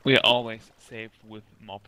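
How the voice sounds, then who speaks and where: Casual gamer guy, sharp bright tone, playful and jokey. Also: fairly low pitch, fairly even intonation, normal speed. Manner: playful, laughs often, jokey. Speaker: gamer playing in a team. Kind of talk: casual gaming chat.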